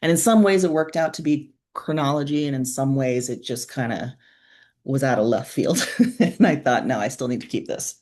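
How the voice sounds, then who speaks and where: A woman's voice: very deep voice, moderate pace, a little mellow. A woman author being interviewed, talking in a reflective, candid and informal conversational way.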